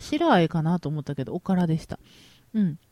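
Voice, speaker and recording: Dry and close with no echo, a woman's medium-pitched voice has a dark, mellow tone in a very clean recording with a silent background. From Osaka (Shinsaibashi). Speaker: podcast host, food reviewer. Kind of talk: casual solo monologue.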